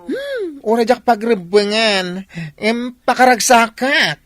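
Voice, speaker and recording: A woman's voice: fairly high pitch, very animated, takes it slowly. A woman with an Ilocano accent playing a plaintive, effeminate, reluctant gay son in a radio drama.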